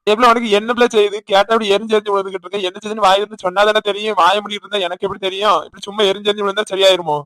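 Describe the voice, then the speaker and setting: A man voicing a quick-tempered village husband in a cartoon, with a Tirunelveli Tamil accent and a nagging, hectoring way of talking. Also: high voice, little pitch movement, fairly bright tone, no room sound. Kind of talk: cartoon voice acting.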